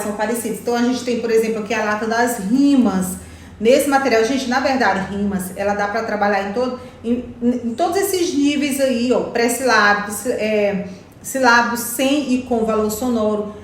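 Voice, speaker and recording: A Brazilian woman with a slightly high voice leads a casual teaching demo, tossing in little checks like "né?" as she points things out. She sounds like she is in a very reverberant room with a faint hiss behind her. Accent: Brazilian Portuguese. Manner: chatty, repeats "né?" and "ó" while pointing at materials. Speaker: teacher presenting an online mini-course. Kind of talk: informal teaching demonstration. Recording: very echoey room, faint background noise.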